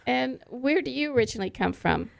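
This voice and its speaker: A woman's voice: sits high, lively intonation, fairly quick, creaky. A woman hosting a radio interview, chatty as she leads the conversation with her guests. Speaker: radio host.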